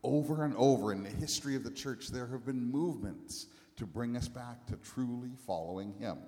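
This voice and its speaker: A man preaching a sermon in a church, speaking in short phrases and pausing for an interpreter. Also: mid-range voice, warm tone. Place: church hall. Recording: long hall reverb.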